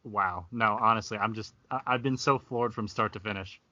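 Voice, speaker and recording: A man's voice: fairly low pitch, normal speed, lo-fi sound, over a noisy crowd. A man on a podcast, gushing praise and stumbling over his words. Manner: effusive and stumbling. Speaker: podcast guest. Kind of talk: casual chat.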